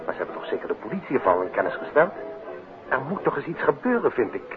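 An actor in a 1950s radio drama playing a polite, formal gentleman who speaks emphatically and excitably. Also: medium pitch, fast, narrow, tinny audio, over music, lightly acted. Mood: shocked, concerned. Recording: thin old radio, crowd murmur behind.

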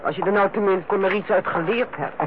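An actress playing a stern, principled eldest sister and senior nurse in a Dutch radio play, speaking in a prim, blunt manner. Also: female voice, mid-range voice, a little fast, close to an everyday voice. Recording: dull, noisy old radio play recording.

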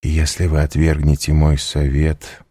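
Determined young suitor, read by a low husky man, pressing and earnest. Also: monotone, a little slow, dark tone, no room sound, clean studio sound, heavily acted. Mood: tense. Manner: intense, pressing questions.

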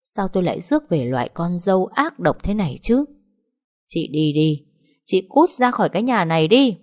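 A woman's voice: on the low side, very animated, normal speed. A woman voicing a stern older father-in-law who coldly casts out his daughter-in-law. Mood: cold anger. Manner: quiet, cold reproach.

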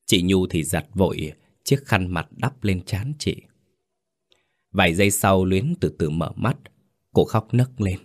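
A man reading a story in a steady, grave way. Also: low voice, unhurried, no echo, clean studio sound. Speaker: narrator. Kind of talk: scripted story narration.

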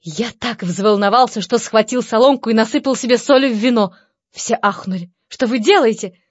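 A jittery gentleman suitor lisps through one tragic exclamation after another, as a woman reader puts him on. The pitch sits fairly high for a man. It is a storybook reading on a dry, slightly muffled recording. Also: moderate pace, dry recording, close to an everyday voice. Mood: anxious. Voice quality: lisping. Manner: melodramatic, despairing exclamations. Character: flustered nervous gentleman suitor, man, lisping.

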